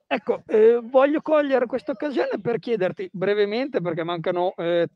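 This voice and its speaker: A man hosting a live radio interview, haltingly and with repeated words, in a dull, muffled recording. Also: sits high, dry recording. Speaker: radio host. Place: indoors in a pub. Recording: dry, dull muffled sound.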